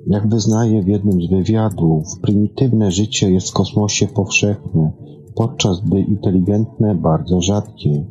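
A man with a low, mellow voice presents a science programme from a script. He reads haltingly and trips over words now and then. The recording is dull and lo-fi, with music playing behind him. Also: fairly even intonation. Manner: halting reading with stumbles and repeated words. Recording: dull lo-fi sound.

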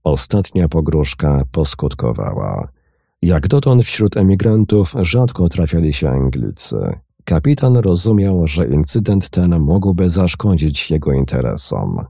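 A man narrating an audiobook story in a slow, measured reading. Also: sits low, sing-song, vocal fry, mellow, slightly rough, dry recording, studio quality.

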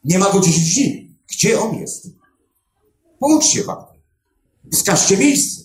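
An older, high-pitched man, a clairvoyant body finder who locates missing people, tells a story to a live audience. His delivery is emphatic and animated, with dramatic pauses. The recording has a roomy echo.

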